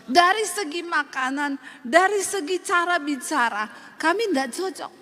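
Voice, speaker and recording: A woman pastor from Sulawesi with a Sulawesi Indonesian accent, preaching a lively, humorous sermon straight to her congregation. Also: very high voice, moderate pace. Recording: long hall reverb, faint noise.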